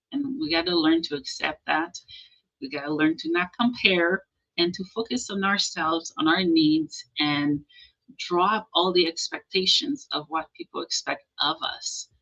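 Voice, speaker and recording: Woman, livestream host, slow unhurried talk, bright husky voice, dull lo-fi audio. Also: medium pitch. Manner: encouraging, often checks in with "okay?"; reads out and answers viewer comments.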